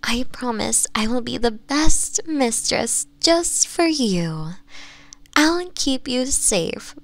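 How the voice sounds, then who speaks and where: A woman plays a doting, slightly crazed nine-tailed fox mistress for ASMR roleplay. Her voice is fairly high and close, with a dry sound and little room. She coaxes slowly and softly, often sinking into a whisper. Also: lively intonation, no room sound. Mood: pleased, devoted. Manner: soft, breathy, coaxing, often dropping into whispers.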